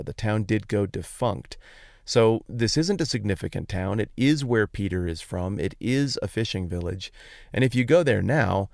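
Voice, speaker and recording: A man's voice: on the low side, gravelly, darkish tone, no echo, clean studio sound. A man hosting a podcast, giving a casual, conversational Bible teaching talk in informal, explanatory language. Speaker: podcast host.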